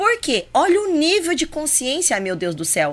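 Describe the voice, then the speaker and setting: Over noticeable background noise, a woman with a high pitch uses a raised, projected voice. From Brazil, interior of Goiás. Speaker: businesswoman, fashion retail. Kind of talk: interview conversation. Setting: studio.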